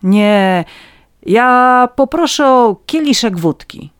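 A reader voicing a fawning, red-nosed petty scribe, a man who begs for vodka and wheedles his listeners in a high, eager voice. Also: expressive, takes it slowly, clear, resonant tone, no echo, clean studio sound. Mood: wheedling. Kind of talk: audiobook reading.

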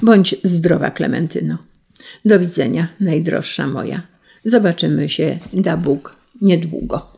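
A reader voicing a bold young officer who speaks firmly and defiantly, with a gravelly voice. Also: medium pitch, a little slow, a little mellow, heavily acted. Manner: firm, defiant.

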